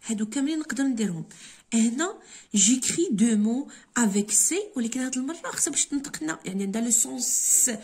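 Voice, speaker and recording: A woman with a Moroccan accent, a teacher reviewing a French exam, reading examples slowly and explaining quickly in between. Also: a little high, lively intonation, a little mellow. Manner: switches between slow dictation-like French and quick Darija explanations.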